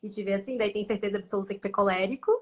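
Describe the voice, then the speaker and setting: A woman's voice: medium pitch, fairly even intonation, racing, husky. A woman, a guest in a casual live-stream conversation, speaking thoughtfully and often restarting her phrases.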